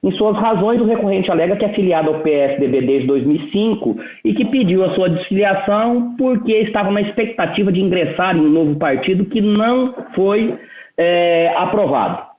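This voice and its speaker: A man's voice: high-pitched, expressive, moderate pace. A man serving as judge rapporteur, reading a formal court report with frequent hesitations and restarts. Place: courtroom session. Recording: echoey, phone-like sound.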